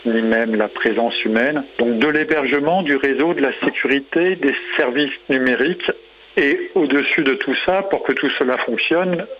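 Man, radio guest, methodical listing, muffled line, faint hum. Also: mid-range voice. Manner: measured, listing points. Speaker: guest, head of an intercommunal IT body. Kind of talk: radio discussion.

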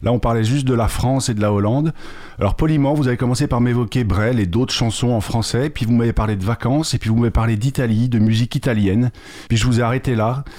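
A man hosting a radio interview, relaxed and teasing, asking long winding questions. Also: mid-range voice, fast. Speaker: radio host. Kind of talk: conversational interview.

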